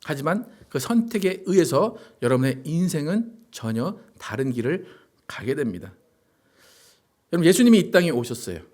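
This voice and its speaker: A man's voice: on the high side, big pitch swings, moderate pace, darkish tone. A male pastor giving a sermon in a conversational way, often asking the congregation rhetorical questions. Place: church sanctuary.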